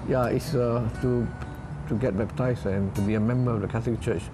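Earnest middle-aged priest from Singapore. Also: male voice, mid-range voice, steady tone, music in the background. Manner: earnest, measured, with frequent "uh" and "yeah". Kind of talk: interview answers in English. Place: inside a large church.

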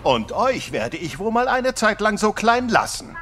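A man's voice: sits high, sing-song, measured pace, a bit bright, exaggerated voice. A man voicing a flustered, indignant policeman in a German children's cartoon, blustering, with music behind him. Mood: satisfied.

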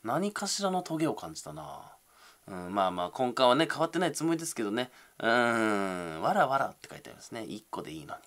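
A man's voice: mid-range voice, sing-song, quick pace, fairly bright tone. A young man, reading viewer comments aloud on a casual livestream and answering them with self-deprecating, mumbled asides.

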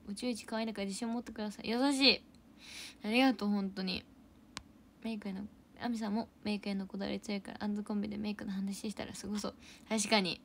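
A young woman hosting a casual idol livestream. She reads out viewer comments and thanks them for gifts, and often drops into soft, whispery asides. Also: mid-range voice, level tone, quick pace, slight background noise.

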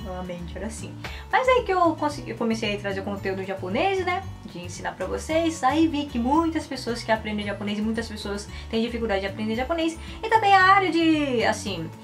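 With big pitch swings and a brisk pace, a woman from Japan speaks on the high side as she chats animatedly and loosely to the camera. She is in her 20s, works as a YouTuber and Japanese teacher, and records in a small room with background music.

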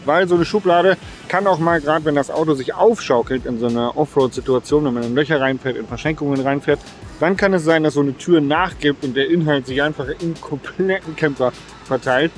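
Upbeat German-speaking man outdoors, slightly high voice. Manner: upbeat, talks with his hands, addresses viewers directly. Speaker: vlogger presenting driving tips. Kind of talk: casual explanatory vlog talk. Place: outdoors on a gravel lot beside a camper van.

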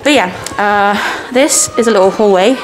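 A woman's voice: mid-range voice, moderate pace. Chatty woman touring a hotel. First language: Persian. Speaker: travel vlogger. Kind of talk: casual walking hotel tour. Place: indoor hotel lobby and halls. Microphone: handheld camera, self-filmed. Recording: noisy handheld camera audio.

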